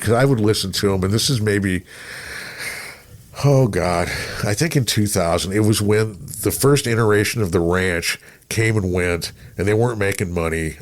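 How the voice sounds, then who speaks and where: A middle-aged man chatting casually as a radio personality, rambling through anecdotes and voicing remembered remarks. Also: fairly low pitch. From Texas, United States.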